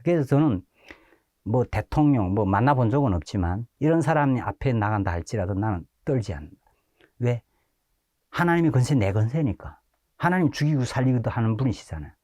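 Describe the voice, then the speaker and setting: Lively pastor telling his story. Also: mid-range voice, no echo, clean studio sound. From North Korea. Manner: lively storyteller, acts out quoted shouts, laughs often. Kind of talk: testimony storytelling.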